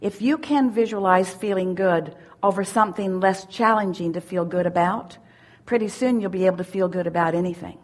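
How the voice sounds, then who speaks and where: A woman giving a spiritual teaching at a seminar, speaking as "we" in an emphatic, drawn-out way. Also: mid-range voice. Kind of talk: channeled teaching in first person plural.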